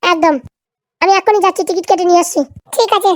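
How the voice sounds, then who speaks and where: A woman voicing squeaky, bickering young characters in a comedy cartoon, with a chatty delivery. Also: steady tone, fast talker, no room sound, studio quality. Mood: eager.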